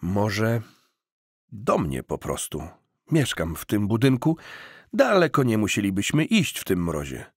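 A man's voice: on the low side, huge pitch swings, measured pace, husky, no room sound, clean studio sound, heavily acted. A man playing a hapless, awkward, hungover young man in an audiobook. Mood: awkward, hopeful.

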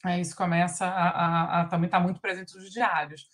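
Halting woman author on a video call. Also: lowish voice, flat delivery, a bit bright. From Brazil. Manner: thoughtful, halting, many fillers and restarts. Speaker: biographer guest. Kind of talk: recorded video call conversation. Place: home living room with lamp. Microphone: laptop webcam video call.

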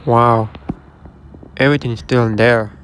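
A man talks chattily into a handheld phone camera while walking outside a shopping-center storefront. His voice sits at an ordinary middle pitch, and he addresses viewers plainly. Faint traffic hums in the background. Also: steady tone, unhurried. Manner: chatty, matter-of-fact, addresses viewers directly. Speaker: vlogger exploring closed stores. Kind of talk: casual walkthrough commentary. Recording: faint outdoor traffic noise.

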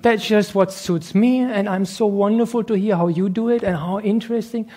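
During a lecture Q&A, a male meditation teacher answers questions from the audience, earnest in his explanations and quick to laugh. He has a high, husky voice with a dark, steady tone and a moderate pace, recorded on a handheld microphone passed among listeners.

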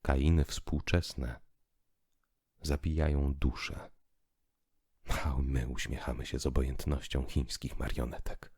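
Very deep, slow man reading dramatically. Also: level tone, slightly rough, no echo, clean studio sound. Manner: theatrical, declamatory, swinging from hushed to emphatic. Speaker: audiobook narrator. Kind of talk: dramatic literary narration with piano music. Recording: piano music behind the voice. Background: piano music.

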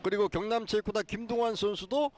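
A man's voice: sits high, steady tone, racing, soft background music. A man giving live athletics commentary as an analyst, explaining things with emphasis.

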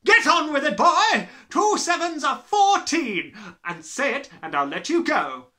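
A bellowing, high-pitched tyrant headmistress. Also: male voice, very animated, measured pace, pushed and bright, exaggerated voice. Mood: bellowing fury. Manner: barking, bellowing, snapping. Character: huge bullying headmistress, furious, bellowing, contemptuous. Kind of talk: storybook character reading.

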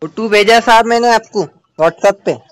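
A man's voice: high voice, unhurried. A man with a Hyderabadi accent on a phone call, persistently needling yet addressing the listener politely. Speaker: caller. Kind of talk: phone conversation, complaint.

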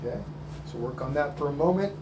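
A man's voice: on the high side, animated, quick pace, background noise. A man with a slight cold leading a live painting lesson indoors, reading out viewer comments and encouraging them. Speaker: painting instructor. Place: indoor art studio.

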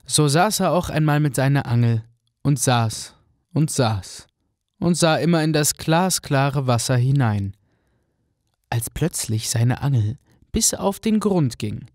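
A man narrating a fairy-tale radio play in a calm, clear storytelling manner. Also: medium pitch, dry recording, studio quality. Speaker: narrator, also voicing the fisherman.

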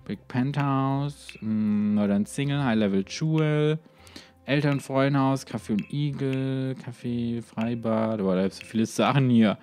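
Over soft background music, a man narrates his let's play of a life-simulation game at a measured pace, with a medium pitch, fairly even intonation, and a slightly mellow sound. He chats casually, keeps addressing the characters, and tacks on fillers such as "hier" and "ne."

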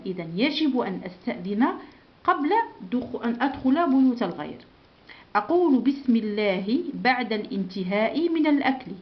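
A woman teacher walks a class of small children through their review, saying each sentence and then saying it again. She praises them often and keeps a patient, steady pace. The recording is dull and lo-fi. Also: medium pitch. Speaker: primary school teacher.

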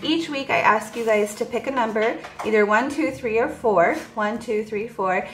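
A woman's voice: fairly high pitch, moderate pace, reverberant, slight background noise, rough recording. A woman in her forties, chatting casually to viewers about her budget while counting cash at a table. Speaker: budgeting vlogger. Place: indoors at a table. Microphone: voice heard over top-down table camera, hands only.

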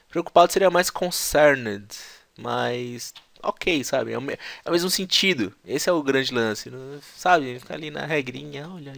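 A Brazilian-accented man talks through an English lesson in a loose, slangy, conversational manner. His voice sits at an ordinary middle pitch, recorded dry and close with no room sound. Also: vocal fry, a bit bright, no echo. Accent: Brazilian Portuguese. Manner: slangy, chatty, breaks into English imitations. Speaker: English teacher. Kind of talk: casual explanatory lesson.

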